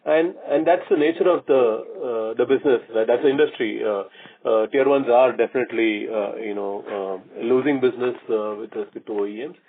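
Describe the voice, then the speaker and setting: A man's voice: mid-range voice, breathy edge. Man on a tinny phone line. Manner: halting, repeats and restarts phrases. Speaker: company executive. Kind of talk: answering questions on an earnings call. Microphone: conference call line.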